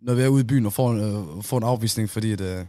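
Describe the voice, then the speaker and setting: A man's voice: fairly low pitch, dry recording, clean studio sound. A young man co-hosting a casual podcast chat, telling stories with lots of laughter. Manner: animated, laughing, storytelling. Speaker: podcast co-host.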